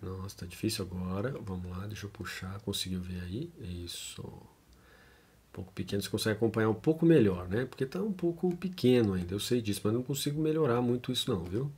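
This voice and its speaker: This Brazilian man, a theology lecturer with a Brazilian Portuguese accent, reads a text aloud and comments on it in an informal lecture. His voice is fairly low, a little mellow and slightly rough, and he talks fairly quickly. His manner is conversational, full of fillers and tag questions at the ends of sentences.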